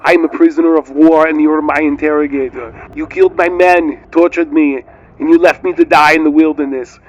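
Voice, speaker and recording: Guy doing a bitter prisoner of war, thick fake austrian action hero accent, clipped and commanding, slightly high male voice. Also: steady tone, a little fast, close to an everyday voice, low-quality recording. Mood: bitter, accusing. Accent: mock Austrian-German. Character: defiant, bitter captured soldier, anomalous humanoid prisoner. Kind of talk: amateur script read-aloud.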